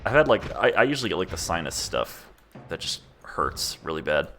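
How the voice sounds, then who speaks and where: A man in his twenties giving casual, rambling commentary while he plays a game and chats with viewers, quick to laugh at himself. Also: deep voice, big pitch swings, fairly bright tone, soft background music. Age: 20s. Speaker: streamer. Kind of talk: casual gameplay commentary chatting with chat.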